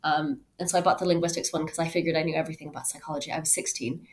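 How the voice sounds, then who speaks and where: A woman in her thirties from Canada, a podcast guest telling her own story conversationally in an animated way. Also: deep voice, rapid-fire. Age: 30s. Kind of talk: conversational interview, personal storytelling.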